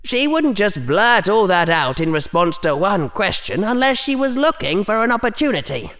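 A man's voice: high voice, sing-song, a bit bright, faint music behind, pitched above the performer's own voice. A man voicing a skeptical, analytical inner critic in an audiobook reading. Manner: measured, doubting.

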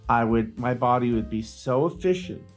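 A man's voice: mid-range voice, lively intonation, normal speed, soft background music. A man co-hosting a casual comedy podcast, joking crudely and teasing his friend. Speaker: podcast co-host.

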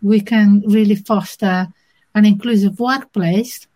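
A woman with an Italian accent, an interview guest who explains things in a measured, thoughtful way with many pauses. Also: medium pitch, steady tone, warm tone. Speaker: interview guest, inclusion manager. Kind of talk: conversational interview.

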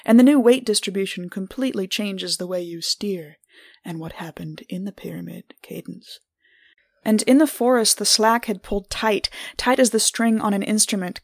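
An introspective adventurer voiced by a woman recounts how she has changed, in a scripted first-person podcast monologue. Her mid-pitched voice is reflective and measured, pausing deliberately, and recorded very dry. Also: gravelly, dry recording, close to an everyday voice. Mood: haunted, reflective. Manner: reflective, measured, literary phrasing with deliberate pauses.

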